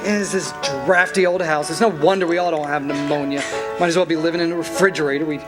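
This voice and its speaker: A man's voice: a little high, steady tone, quick pace, lightly acted. An actor playing a frustrated small-town husband and father in a 1940s-style radio play, stammering and repeating his words. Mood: bitter, irritable. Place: live staged reading in a television studio. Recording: music behind the voice.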